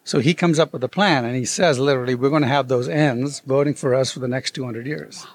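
A man's voice: mid-range voice, fairly quick, no echo. A man as an interview guest, telling a story and acting out the quoted voices. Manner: animated, acts out quoted dialogue. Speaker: guest author. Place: convention.

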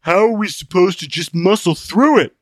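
A man's voice: high-pitched, moderate pace, no echo, clean studio sound, voice pushed up, lightly acted. A man voicing a pompous, fearful male traveling companion who complains dramatically in an audiobook story. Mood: anxious complaint.

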